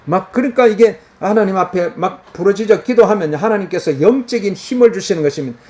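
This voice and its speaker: A man's voice: high voice, fast, a little mellow. A man preaching a fervent, earnest sermon in the countryside. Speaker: pastor. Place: countryside, crickets and cicadas heard outside.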